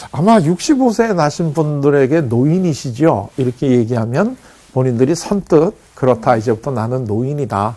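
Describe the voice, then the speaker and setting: A man with a fairly high, dark, mellow voice talks at a moderate pace with lively intonation. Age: 60s. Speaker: psychology professor. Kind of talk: lecture. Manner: hesitant with many fillers.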